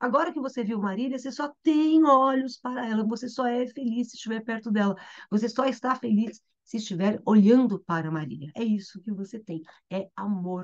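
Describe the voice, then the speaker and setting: A woman at a moderate pace, fairly high in pitch, with lively intonation. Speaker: literature teacher. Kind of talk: lecture with reading aloud. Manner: animated.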